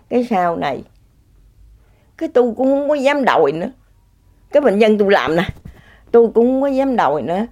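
A woman's voice: medium pitch, darkish tone. Woman, casual testimony, exclamatory, laughing. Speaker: speaker sharing a personal story.

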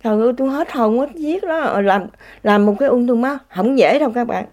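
A woman's voice: on the high side, expressive, a little fast, a little mellow, dull audio. Woman, personal testimony, exclamatory, laughs often. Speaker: speaker sharing a personal story. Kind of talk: casual spoken testimony.

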